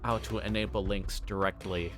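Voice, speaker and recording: A man with a fairly low voice talks on a game livestream, halting and tripping over words as he goes. Soft music plays behind him. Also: steady tone. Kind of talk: reading a visual novel aloud and chatting with stream viewers.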